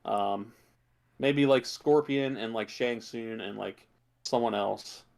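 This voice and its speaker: A man's voice: on the low side, slow pace, gravelly, darkish tone. A man co-hosting a podcast, chatting casually about films and shows, thinking aloud as he goes. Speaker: podcast co-host.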